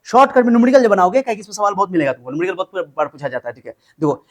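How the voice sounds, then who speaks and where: A man's voice: high-pitched, very animated, very fast. A man tutoring chemistry, mixing in English terms, repeating formulas and scolding his student. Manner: mixes Hindi with English terms. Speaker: chemistry teacher. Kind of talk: informal tutoring lesson.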